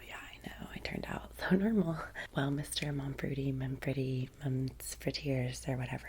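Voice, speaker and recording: A woman playing a chatty, vain young assistant to a vampire in a soft-spoken ASMR roleplay, with an American Valley girl accent, breathy and rambling. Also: a bass voice. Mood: chatty, amused, then apologetic, businesslike. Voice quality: breathy whisper. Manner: casual, rambling, filler-heavy Valley girl talk.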